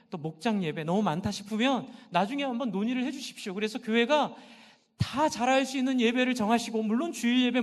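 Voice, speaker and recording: High-voiced male pastor in a reverberant church. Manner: impassioned, asks and answers own questions. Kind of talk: sermon. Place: church sanctuary. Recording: long hall reverb.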